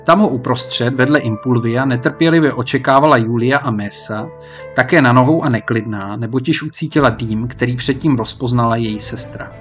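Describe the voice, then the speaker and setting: A man's voice: mid-range voice, faint music behind. Man narrating a historical audiobook.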